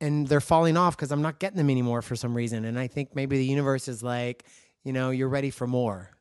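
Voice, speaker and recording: In a normal speaking voice with an American accent and ordinary pitch variation, the speech has a dry, close sound with no echo over a quiet background. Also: man. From US South, North Carolina. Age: 50s. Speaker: celebrity fitness trainer. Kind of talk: casual chat.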